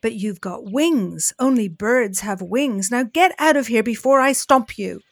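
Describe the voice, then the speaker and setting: A woman doing a stern, loud zebra guard. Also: on the high side, expressive, unhurried, dry recording, studio quality, voice pushed up. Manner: loud, scolding.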